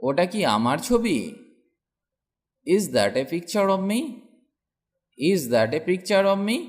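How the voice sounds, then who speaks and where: Male English tutor, slow drill delivery, lively rising and falling pitch, each sentence said twice. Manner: reads each English sentence slowly twice after the Bengali one. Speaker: English teacher.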